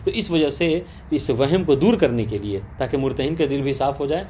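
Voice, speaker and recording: A man speaking at medium pitch, animated and warm, gives a class on religious law. He unpacks a text for the students present and often checks comprehension through rhetorical questions. Some hiss or hum is audible.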